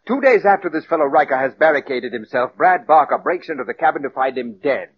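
An actor playing a pompous, condescending male radio producer who speaks slowly and deliberately, in 1940s radio acting style. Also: a little high, expressive, slightly rough. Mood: haughty. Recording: muffled old radio broadcast.

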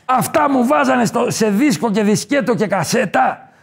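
A man playing a boastful, swaggering nightlife king in a comedy sketch interview, talking loud and brash with shouted punchlines. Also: extremely high pitch, lively intonation, creaky, breathy edge, full character voice. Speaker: comic guest character.

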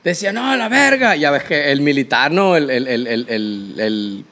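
A man with a Mexican accent in casual comedic chat, crude and slangy, telling stories in an animated, joking way. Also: mid-range voice, normal speed. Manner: crude, heavy slang and swearing. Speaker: podcast co-host.

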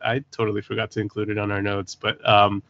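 A man's voice: fairly low pitch, completely flat delivery, fast talker, sharp tone, no room sound. A man co-hosting a pop culture podcast in casual chat, joking and rambling. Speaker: podcast co-host. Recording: dull lo-fi dry sound.

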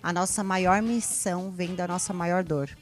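A woman's voice: lowish voice, steady tone, soft background music. Enthusiastic woman guest. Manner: enthusiastic, quick reactions. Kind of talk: radio talk show conversation.

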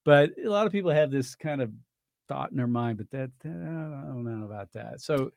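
A man hosting a radio talk show, interviewing his guest in a chatty, conversational way, laughing often and dropping into quiet asides. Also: medium pitch, lively intonation, moderate pace, creaky, no room sound.

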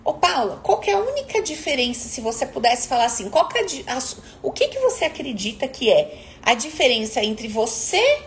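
Animated high-voiced woman coach. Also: brisk, slight background noise. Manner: emphatic, questions the audience directly. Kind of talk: motivational live stream talk.

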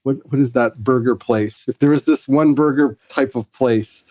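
A man's voice: mid-range voice, normal speed, mellow. A middle-aged man from Fiji, a podcast guest chatting casually and rambling with lots of fillers and restarts. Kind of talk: casual conversational interview.

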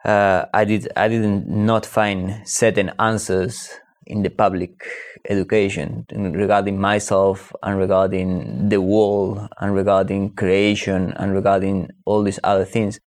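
A man's voice: sits low, little pitch movement, a little mellow. A man from Spain, talking reflectively in a casual discussion and often restarting his sentences. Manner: reflective, halting with repeated restarts.

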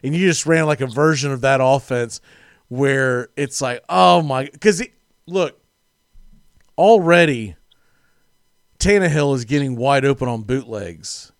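A man hosting a casual sports talk show, animated and jokey, laughing often as he talks. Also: mid-range voice, measured pace, long pauses, clean tone, no room sound, clean studio sound.

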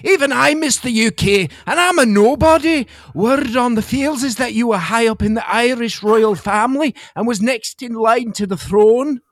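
A man puts on an eager, humble Scottish pilgrim for an amateur comedy play. The voice is high and gravelly, exclaiming theatrically, in a very dry recording. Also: moderate pace, few pauses, dry recording. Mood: incredulous. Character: humble, excitable male Scottish settler in colonial America.

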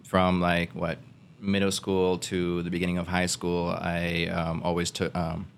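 A man from Guatemala, a podcast guest, telling his story in a laid-back way with many pauses and fillers. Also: low-pitched, monotone, creaky, a little hiss or hum. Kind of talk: casual conversational interview.

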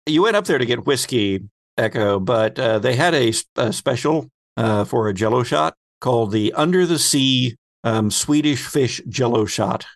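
A man runs a tabletop roleplaying game with wry, conversational narration. His voice sits at a middle pitch with a lot of creak, and the sound is dry with no room around it. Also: lively intonation, normal speed, no room sound. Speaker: host and game master.

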